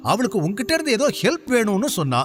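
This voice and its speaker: A man's voice: sits high, sing-song, fast talker, faint music behind. A man doing a furious young wife. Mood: angry, accusing. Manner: accusing, shouting, voice cracking with tears. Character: furious young wife confronting her husband.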